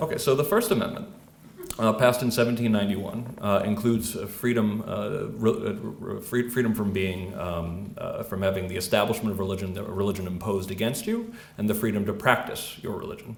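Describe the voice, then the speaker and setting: Someone with an American accent talks at a fairly quick pace, with noticeable background noise and audible room echo. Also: man. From US. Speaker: First Amendment lawyer and free speech activist. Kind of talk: lecture. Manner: fast; halting, many fillers.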